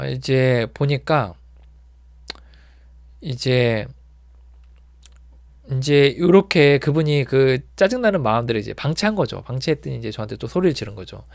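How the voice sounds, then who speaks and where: A man giving a loose, rambling talk on addiction recovery, his voice gravelly with a lot of fry. He sits at a middle pitch and speaks close to the mic in a dry, dead-sounding room. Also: no echo. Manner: rambling, many filler words and restarts; acts out shouting people when retelling. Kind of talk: informal talk to viewers.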